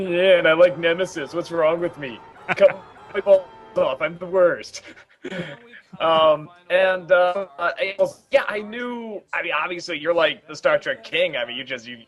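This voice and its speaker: A man giving a casual film commentary, talking in a rambling, halting way with many restarts. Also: fairly high pitch, muffled recording.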